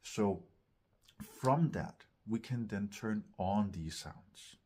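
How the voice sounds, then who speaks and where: A man with a lowish, husky voice gives instruction as a vocal coach. He talks at an unhurried pace, searching for his phrasing and repeating words for emphasis. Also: lively intonation, darkish tone. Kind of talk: instructional talk to camera.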